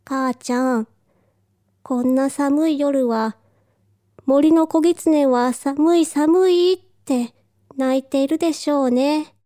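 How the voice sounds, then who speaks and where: A woman voicing a small sleepy human boy talking to his mother in a storybook reading, slow and drowsy. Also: sits high, mellow, dry recording, clean studio sound.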